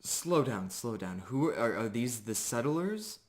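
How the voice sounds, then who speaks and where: A man voicing a composed, stern female night elf commander in a fantasy tabletop game, questioning in a measured, clipped way. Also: medium pitch, big pitch swings, voice pushed up. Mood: probing.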